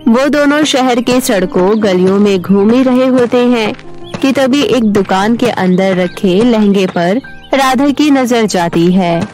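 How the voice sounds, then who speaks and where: A woman's voice: a little high, a little slow, soft background music. Woman narrating a cartoon story. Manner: calm, even storytelling. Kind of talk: scripted narration for an animated story.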